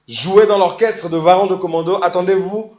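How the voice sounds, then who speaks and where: A man's voice: high-pitched, fairly even intonation, normal speed, a little mellow, reverberant, highs cut off. A man hosting a TV studio interview, asking long-winded, emphatic questions. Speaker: TV host.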